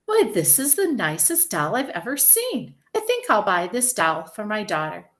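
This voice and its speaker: Woman doing a gushy storybook shopper lady, high n bright, excitable. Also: moderate pace. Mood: admiring. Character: admiring lady shopper, gushing and easily startled.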